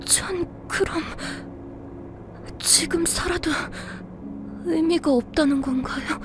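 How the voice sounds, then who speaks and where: High-voiced frightened survivor. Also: female voice, noisy background. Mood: anxious, uneasy. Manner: hesitant, emotional, halting. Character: frightened, wary young human survivor, desperate to live. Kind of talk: audio drama acting.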